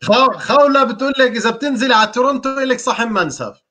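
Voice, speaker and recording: Man, jovial quiz co-host, bright high voice, quick to laugh. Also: slight background noise. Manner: jovial, laughs often, teasing. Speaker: co-host of a live quiz show. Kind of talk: casual live chat.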